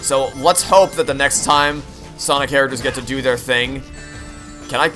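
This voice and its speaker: A man's voice: medium pitch, steady tone, normal speed, a bit bright. A young man giving casual, opinionated, rambling commentary as he plays through a video game. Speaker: video game playthrough streamer. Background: game music.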